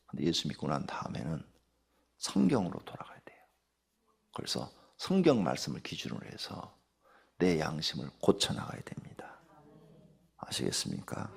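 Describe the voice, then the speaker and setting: A middle-aged male pastor preaches with a wildly lively pitch, swinging from low murmurs to high emphatic peaks. His voice is gravelly and a little husky, and he tells stories and fires rhetorical questions at the congregation. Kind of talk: dawn service sermon.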